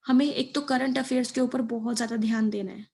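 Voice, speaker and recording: A woman's voice: a little high, fairly even intonation, fairly quick, creaky, a little mellow. A young woman with an Indian accent giving informal study advice as a video presenter, explaining step by step and mixing in English terms. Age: young adult. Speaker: exam preparation video presenter.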